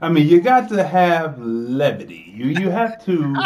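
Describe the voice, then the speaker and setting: A man hosts a casual podcast with an animated, joking delivery. His voice sits a little high and swings widely in pitch, and he laughs often. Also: unhurried, noisy background. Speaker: podcast host.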